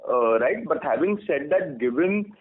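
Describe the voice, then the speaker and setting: A man's voice: a little high, expressive, moderate pace. A man with an Indian accent answering questions as an executive on an earnings call, explaining things and often tagging phrases with "right?". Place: conference call. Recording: narrow-band phone conference line.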